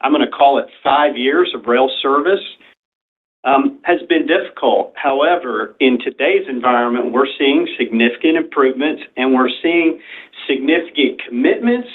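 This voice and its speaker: Through a band-limited phone line, a male executive answers questions on an earnings call. His voice sits at an average pitch, and he speaks deliberately, choosing his phrasing with care. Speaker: company executive. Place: telephone conference call. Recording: narrow phone-line sound.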